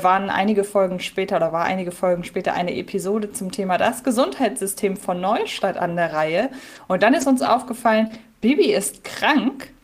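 A woman in her thirties co-hosting a podcast in casual chat, chatty and quick to laugh, with frequent fillers. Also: medium pitch. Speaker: podcast co-host.

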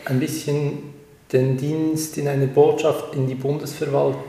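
A man's voice: on the high side, level tone, moderate pace, gravelly, mellow, low-quality recording. A man with a Swiss accent speaking as a podcast host and interviewer in a conversational style.

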